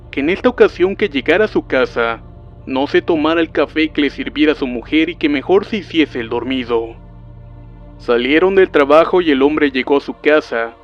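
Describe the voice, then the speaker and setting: Guy reading a spooky witch tale, kinda high voice, dull lo-fi sound. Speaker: horror story narrator. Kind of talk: scripted narration. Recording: dull lo-fi sound with faint music.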